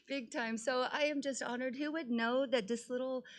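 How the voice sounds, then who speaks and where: Woman, higher voice, effusive and informal resident addressing a meeting, prone to laughter. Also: steady tone, normal speed. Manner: gushing, effusive, laughs often. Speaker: resident presenting a community project. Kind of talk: informal public remarks. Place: council meeting room.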